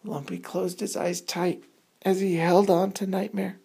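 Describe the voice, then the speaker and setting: A woman's voice: on the low side, level tone, a little slow, vocal fry, warm tone, slightly rough. A woman telling a suspenseful bedtime story for children in a dramatic, improvised way, repeating words for effect.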